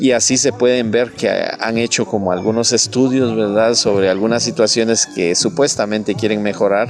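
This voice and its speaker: A man with a Guatemalan accent at a moderate pace, very even loudness and fairly even intonation, over noticeable background noise. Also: medium pitch for a man. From Guatemala, Palín Escuintla. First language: Poqomam Mayan (speaking Spanish). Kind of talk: interview.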